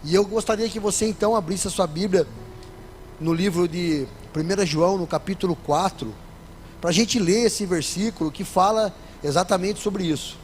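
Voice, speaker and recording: High-voiced Brazilian man preaching. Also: normal speed, a little hiss or hum. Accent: Brazilian Portuguese. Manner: fervent preaching, often asking the congregation "amém?". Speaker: pastor. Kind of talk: sermon. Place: church service.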